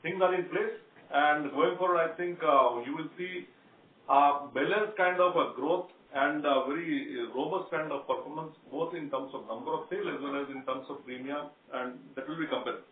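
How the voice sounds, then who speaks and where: A man's voice: a little high, normal speed. Distant, echoey Indian male executive. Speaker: insurance company executive. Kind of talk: formal business explanation on call. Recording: echoey, distant, noisy, narrow conference line.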